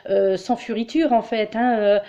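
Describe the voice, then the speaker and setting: A woman giving a tarot reading for the week, talking to viewers as dear friends, halting, with many fillers and restarts. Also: on the high side, fairly even intonation, muffled recording. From France. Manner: addresses listeners warmly as dear friends. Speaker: tarot reader giving weekly guidance. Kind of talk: casual spiritual monologue to viewers.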